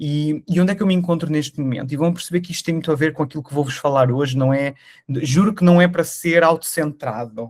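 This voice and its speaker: The speaker talks at a very fast pace with a European Portuguese accent. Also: man, fairly high pitch for a man, ordinary pitch variation. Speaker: professor. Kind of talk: lecture.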